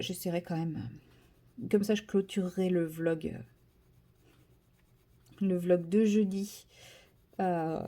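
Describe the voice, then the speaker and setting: A woman with a mellow, mid-range voice vlogs casually from her home. Her chat is full of fillers, hesitations and self-corrections, though she grows enthusiastic once she shows off a craft kit.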